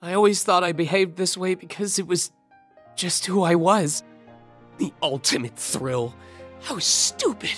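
An actor playing a reckless, thrill-seeking young man in a video game, emotional and sardonic, with a husky voice. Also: sits high, measured pace, fairly bright tone, soft background music. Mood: pained realization. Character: reckless thrill-seeking young man, betrayed creation pleading with his father. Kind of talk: dramatic video game voice acting.

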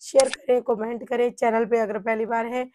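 A woman's voice: a little high, steady tone, moderate pace, mellow, a little hiss or hum. A woman in her thirties, co-host, greeting viewers and introducing a devotional video at home. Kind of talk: channel introduction. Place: home room with a shrine, indoors.

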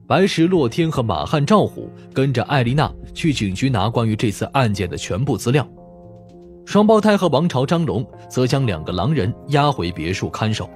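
A man reads a mystery novel aloud as scripted audiobook narration, his mid-pitched voice animated and lively at a normal pace. Faint music plays beneath him.

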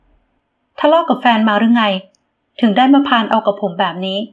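A woman voicing an arrogant rich young man who mocks and teases, speaking in a slow, drawn-out way. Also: fairly high pitch, muffled recording, lightly acted. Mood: teasing.

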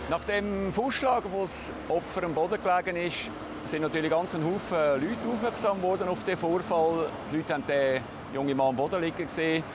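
A man's voice: a little high, fairly quick. A man with a Swiss German accent, a police investigator, recounting events plainly in a documentary interview on a city street. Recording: street noise behind. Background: urban street noise, passing vehicles.

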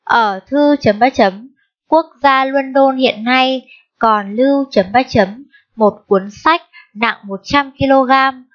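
A woman teaching a primary school spelling lesson, dictating slowly and deliberately and reading out the punctuation for the children. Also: high voice. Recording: dull lo-fi sound.

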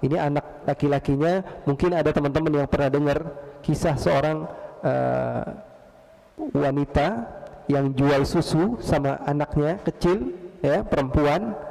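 A man tells a storytelling sermon with animated energy and keeps quizzing his listeners. His voice is gravelly and a bit high for a man. A long reverb from the large mosque hall trails every phrase. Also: measured pace. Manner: animated, asks the audience questions. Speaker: preacher.

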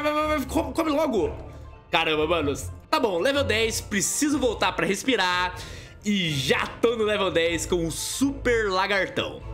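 A young man with a Brazilian accent, giving excited let's-play commentary, yelping and laughing as he calls out to his viewers. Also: high-pitched. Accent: Brazilian Portuguese. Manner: excitable, yelps and laughs, talks to viewers as "galera" and "manos". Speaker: gaming YouTuber.

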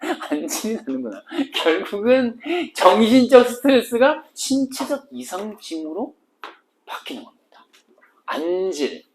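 A woman teacher giving an exam-prep literature lecture, animated and teasing, switching between polite and casual speech. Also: medium pitch, measured pace, background noise.

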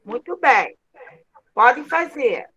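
A woman teacher with a Brazilian Portuguese accent, giving a remote literacy lesson to a young child over a call, drilling syllables slowly in a sing-song way. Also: a little high, big pitch swings, a bit bright, husky, dull audio.

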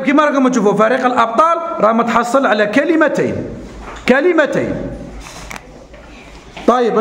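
Male primary teacher, Algerian accent, lively and high-pitched delivery in an echoey classroom. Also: a little hiss or hum. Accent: Algerian Arabic. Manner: animated, coaxing teacher voice, slow deliberate dictation. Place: school classroom.

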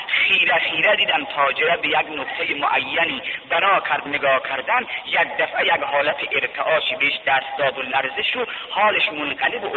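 A middle-aged man preaching a story-filled sermon in a mosque over a loudspeaker, dramatic, with loud drawn-out cries. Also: a little high, noisy background. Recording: echoey hall, dull archive recording.

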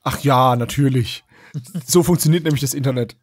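A man's voice: medium pitch, brisk, slightly rough, dry recording, studio quality. A man in casual, joking chat as a podcast co-host and quiz contestant.

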